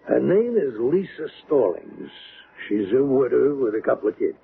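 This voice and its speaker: An actor playing a plain-talking police detective in a radio drama, colloquial and hesitant. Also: male voice, medium pitch, very animated, normal speed, gravelly, slightly rough, heavily acted. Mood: matter-of-fact, puzzled. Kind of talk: 1970s radio drama acting. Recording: narrow tinny old radio broadcast.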